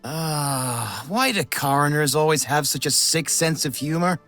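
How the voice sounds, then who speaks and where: A world-weary mercenary in a video game, gruff in manner yet fairly high in pitch. Music plays faintly behind the lines. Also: male voice, lively intonation, unhurried, a bit bright. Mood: jaded. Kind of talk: video game character acting.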